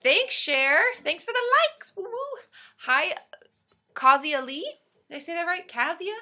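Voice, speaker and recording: A woman's voice: extremely high pitch, animated, unhurried, bright, forceful tone. A woman hosting a casual livestream, stuffed up and tired from a cold, chatting and greeting viewers by name. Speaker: therapist and livestream host.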